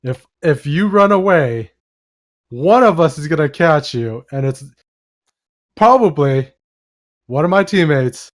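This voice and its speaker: Guy playing a paladin w/ a stern dad vibe in a tabletop game, highish voice, casual halting threats. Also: expressive. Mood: stern warning. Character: stern fatherly paladin giving a last warning.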